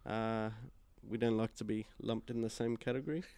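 A man's voice: on the low side, moderate pace, darkish tone, clean tone. A young man hosting a casual radio chat show, joking crudely and teasing his guests. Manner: joking, crude, banters and teases. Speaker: host.

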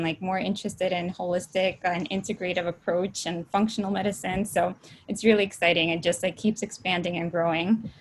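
A woman's voice: mid-range voice, a little hiss or hum. A woman hosting a podcast interview, upbeat and enthusiastic, using "like" as filler. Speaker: podcast host.

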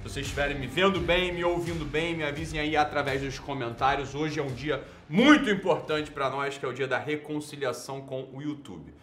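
A man with a Brazilian Portuguese accent, hosting a livestream and ranting sarcastically at his viewers. He swings between low muttering and loud shouting. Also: fairly quick, hardly any pauses, roomy sound, faint music behind. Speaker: livestream host.

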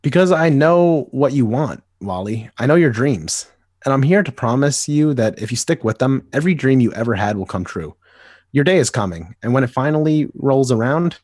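Wistful adult hero, husky, lively up-and-down delivery, dry close mic, read by a man. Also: medium pitch, no room sound, natural voice. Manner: wistful, earnest inner monologue. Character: nostalgic grown-up superhero, adult man. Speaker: podcast co-host. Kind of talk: amateur comic dramatic reading.

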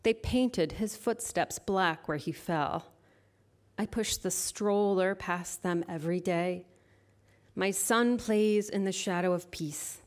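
A woman speaking as a poet at a live reading, with measured, deliberate phrasing into an event microphone. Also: medium pitch. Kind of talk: live poetry reading with informal introduction. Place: live literary event before an audience.

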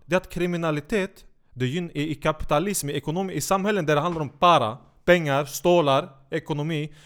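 A man's voice: a little high, fairly bright tone, clear, resonant tone. A man delivering a heated, profane rant, sarcastic and scolding as he talks straight at the people he is attacking. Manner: angry, sarcastic, scolding, swears a lot. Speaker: commentator.

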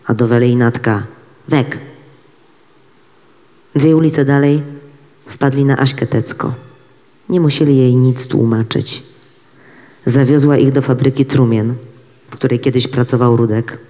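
A man reading a literary prose passage aloud in a measured way, with dramatic pauses. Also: mid-range voice, a little mellow. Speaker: reader. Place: event hall. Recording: reverberant hall.

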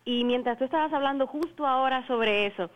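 A woman's voice: high-pitched, brisk, low-quality recording. A woman co-hosting a casual faith chat on the radio, speaking in a reflective, explaining way. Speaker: radio devotional co-host.

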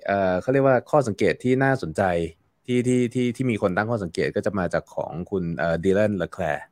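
A man talks through a topic as an interview guest, his voice sitting on the low side. He explains at length, leaning on fillers and repeating words as he thinks. The sound is dry and close. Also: animated, brisk, darkish tone, no echo. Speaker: guest commentator. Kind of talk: casual interview talk.

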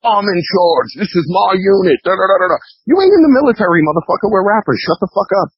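A high-pitched man rants over a dull phone line. He is blunt and profane, repeats points for emphasis and swings his pitch around freely. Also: animated, fast, husky, no echo. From New York, US. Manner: blunt, repeats himself, imitates others' remarks. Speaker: interview guest, underground rapper. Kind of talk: casual, profane phone interview rant. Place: phone call.

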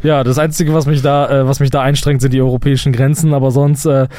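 A man's voice: medium pitch, level tone, quick pace, mellow. A man co-hosting a casual podcast, rambling and emphatic, full of fillers and restarts, close to the mic. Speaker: podcast co-host.

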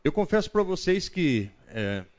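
A man's voice: fairly high pitch, big pitch swings, unhurried, darkish tone. Brazilian guy running a bible study, chatty, keeps saying "right?", kinda muffled audio. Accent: Brazilian Portuguese. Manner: chatty, thinks aloud, frequent tag questions. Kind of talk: opening prayer, then conversational teaching.

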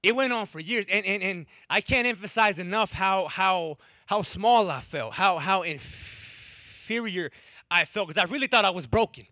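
A man's voice: high voice, animated, moderate pace, bright, forceful tone, no echo. A young man from Wisconsin telling a personal story to an audience, with a stutter that repeats words and cuts off syllables.

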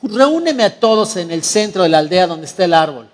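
Preacher doing a stern tribal chief, firm and solemn, high voice for a man. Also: sing-song, brisk. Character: stern but loving island tribal chief, adult man.

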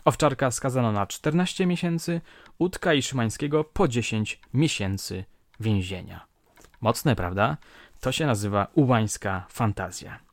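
A man's voice: mid-range voice, dry recording, clean studio sound. A man hosting a storytelling show, reading old crime reports aloud dramatically and chatting with listeners between stories. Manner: dramatic reading with lively quoted shouts. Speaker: podcast host.

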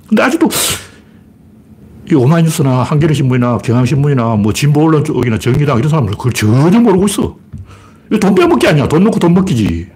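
A man's voice: a little high, a little mellow. A man hosting a live stream, giving blunt, rambling political commentary and greeting viewers by name. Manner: blunt, rambling, mimics people in raised voices. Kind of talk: casual political commentary livestream.

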